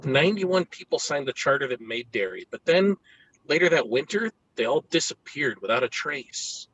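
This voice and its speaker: A man's voice: fairly high pitch, very animated, moderate pace, a bit bright, slight background noise, low-quality recording. A man reading an earnest, awkward, bookish new-kid boy in a screenplay table read, with hesitant, informative delivery. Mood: eager, awkward.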